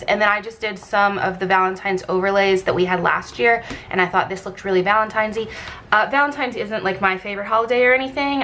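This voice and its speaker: A woman talks casually to her viewers as she would in a craft video. Her nose sounds completely blocked, giving her speech a congested sound with a slight scratch in the throat. Her pitch is average, and she rambles informally from one thought to the next. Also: bright, forceful tone. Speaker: planner vlogger.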